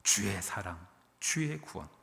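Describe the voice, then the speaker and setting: Male pastor, lowish voice with a wide, swinging pitch, deliberate sermon delivery. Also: very animated, creaky, bright, forceful tone, in a large hall. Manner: slow and emphatic, sinking into near-whispers at phrase ends. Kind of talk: early-morning sermon.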